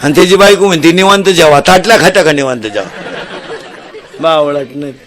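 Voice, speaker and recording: A man preaching a humorous devotional sermon, loudly quizzing the children in the crowd and mocking bad habits. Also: a little high, animated, brisk. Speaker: kirtan preacher.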